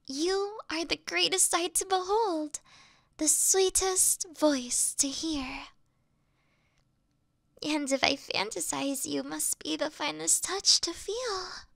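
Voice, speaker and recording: A woman's voice: high voice, gravelly, a bit bright, no echo, clean studio sound, full character voice. A woman voicing a devoted female demon servant who worships her mistress, fawning and flustered in a scripted audio roleplay.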